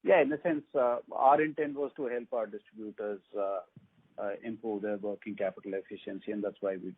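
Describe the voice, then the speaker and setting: A man, a company executive answering analysts' questions on a conference call, measured and hesitant with many fillers. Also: fairly low pitch, fairly even intonation, slightly rough, no echo. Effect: conference call phone line. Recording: tinny dry phone line.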